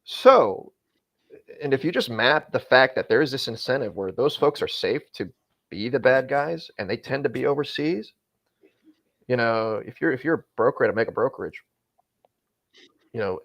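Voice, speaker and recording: A man's voice: mid-range voice, expressive, normal speed, fairly bright tone. A man who used to be a freight broker, giving casual, candid advice in conversation, often restarting his sentences as he talks. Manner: rambling, frequent self-restarts, candid. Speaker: former freight broker, guest.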